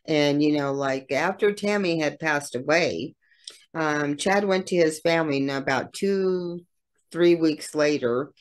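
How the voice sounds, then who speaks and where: A woman's voice: low voice, measured pace. Chatty woman telling a true crime story. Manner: chatty, slangy, lots of fillers and acted-out quotes. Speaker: true crime channel host.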